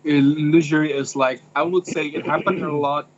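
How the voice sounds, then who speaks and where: His voice is on the high side, steady and at a normal speed: a young adult university student from Indonesia, hesitant and hunting for words in a relaxed discussion. The recording has a dull, lo-fi quality.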